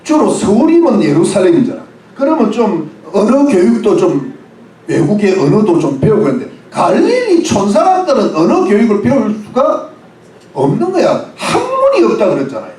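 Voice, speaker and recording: Animated Korean pastor preaching in echoey church. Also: male voice, high voice, normal speed, recorded from a distance. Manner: explains word by word, mixing English phrases; asks the congregation questions. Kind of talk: sermon.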